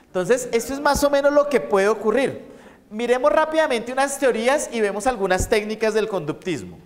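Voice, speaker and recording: A man's voice: very high-pitched, expressive, a little fast. A man lecturing on psychology, telling stories and repeating key points for his students to write down. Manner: storytelling, repeats points to dictate. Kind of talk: university lecture. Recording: echoey lecture hall.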